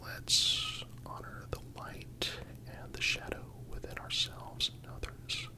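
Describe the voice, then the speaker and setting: Reading a scripted reflection, a soothing ASMR narrator speaks in a breathy, unvoiced whisper that stays measured and deliberate.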